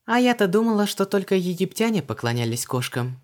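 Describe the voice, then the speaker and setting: Man doing a high-pitched, excited young woman, loud and animated. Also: brisk. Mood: flustered. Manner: high, bright, breathless. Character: flustered young woman, quick and chatty.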